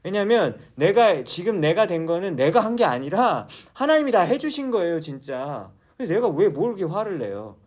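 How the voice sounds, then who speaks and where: Male pastor, sermon, high voice, lively pitch, rhetorical questions to the congregation, church. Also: normal speed, hardly any pauses. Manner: asks the congregation questions, then answers them.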